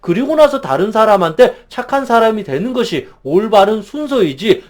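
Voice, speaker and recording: High-voiced man giving an emphatic lecture. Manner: emphatic, rhetorical questions. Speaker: counselor and lecturer. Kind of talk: motivational psychology lecture.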